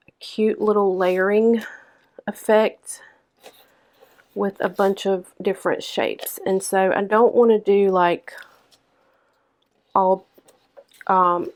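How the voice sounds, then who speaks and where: A young woman with a hoarse, stuffed-up voice chatting casually through a planner-decorating vlog. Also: mid-range voice. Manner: chatty, lots of ums, unhurried. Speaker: planner vlogger. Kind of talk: casual plan-with-me narration.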